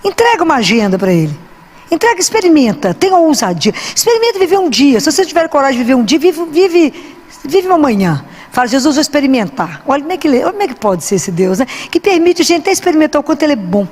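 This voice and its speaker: A woman's voice: sits high, big pitch swings, fast, darkish tone, in a large hall. A woman preaching a sermon earnestly, telling stories with quoted dialogue.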